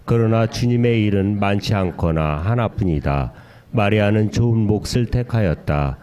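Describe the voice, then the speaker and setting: A church congregation reading a Bible passage aloud together at a slow, steady pace. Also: low voice. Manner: slow, steady group recitation. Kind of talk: unison scripture reading. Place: church sanctuary. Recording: voices from a distance.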